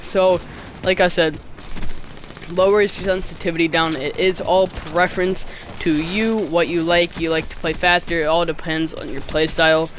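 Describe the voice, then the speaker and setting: A man speaks at a high pitch and a moderate pace, with monotone, flat intonation. Noticeable background noise can be heard. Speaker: gaming YouTuber. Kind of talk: tutorial. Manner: halting; casual.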